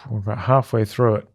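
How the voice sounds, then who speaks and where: A man's voice: fairly low pitch, poor audio. A man streaming a read-aloud of a visual novel in a narrative style.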